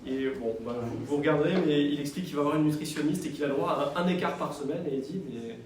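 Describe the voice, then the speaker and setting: Male audience questioner, slightly high voice, hesitant, far from the mic in a very echoey hall. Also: quick pace, a little mellow. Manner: hesitant, many fillers. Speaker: audience member asking a question. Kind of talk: conference Q&A. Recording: very echoey hall, distant mic, faint noise.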